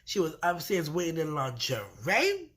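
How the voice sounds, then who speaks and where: A woman's voice: low-pitched, wildly swooping pitch, unhurried. A woman with a stuffy nose from allergies, recapping a reality show in a chatty, blunt and profane way. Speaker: reality TV reviewer. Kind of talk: casual recap vlog.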